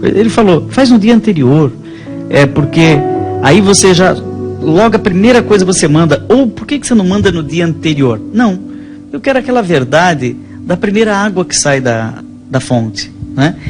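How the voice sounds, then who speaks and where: A man with a Brazilian accent, a priest, talking conversationally about faith and telling stories in a halting, rambling way. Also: high voice, very animated. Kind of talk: conversational religious storytelling. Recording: music playing behind the voice.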